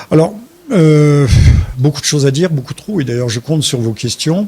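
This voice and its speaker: A man's voice with ordinary pitch variation against noticeable background noise. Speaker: essayist and journalist. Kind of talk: conference talk. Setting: conference room with live audience. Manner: halting, many repetitions.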